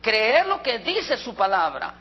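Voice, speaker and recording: A man's voice: very high-pitched, very animated, takes it slowly, husky. A Mexican man preaching a sermon as a pastor, often asking the congregation questions. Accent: Mexican Spanish. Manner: asks the congregation frequent rhetorical questions. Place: church hall. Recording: reverberant hall with dull sound.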